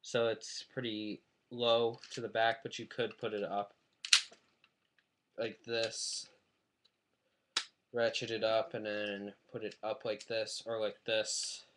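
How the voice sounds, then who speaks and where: A man's voice: on the low side, level tone, slow pace, long pauses, noisy background. A man chatting casually in a rambling, self-deprecating way while reviewing a toy on his webcam at home. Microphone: webcam mic.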